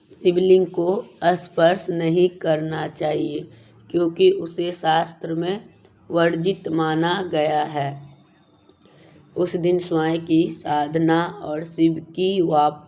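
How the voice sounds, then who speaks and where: Slow-talking, low-pitched woman giving devotional advice. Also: a little mellow. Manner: repetitive, halting, addressing viewers as friends. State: slightly hoarse morning throat. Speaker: YouTube channel host. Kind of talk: devotional advice talk to viewers.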